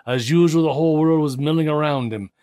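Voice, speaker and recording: A man narrating an audiobook as dramatic literary storytelling, theatrical, with deliberate pauses and emphasis. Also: a little high, mellow, dry recording, studio quality.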